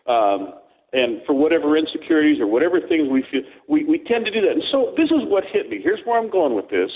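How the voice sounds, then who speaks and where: A man's voice: on the high side, very animated, fast talker. A man co-hosting a radio talk show, joking and rambling as he tells stories. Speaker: co-host. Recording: tinny phone line.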